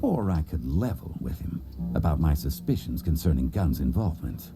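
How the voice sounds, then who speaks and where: Very deep brooding noir detective. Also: male voice, sing-song, moderate pace, full character voice. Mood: wry. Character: hard-boiled male cartoon detective narrating, brooding and melodramatic. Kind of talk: noir parody scripted narration. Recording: music behind the voice.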